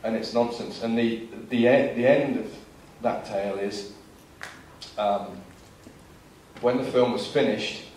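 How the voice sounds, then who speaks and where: A man in his forties speaking as a filmmaker at a seminar, picked up from across a very echoey hall with faint background noise. He tells stories in a lively way and slips into other people's lines as he goes. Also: mid-range voice, a little slow, far from the mic. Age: 40s. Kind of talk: anecdotal seminar talk.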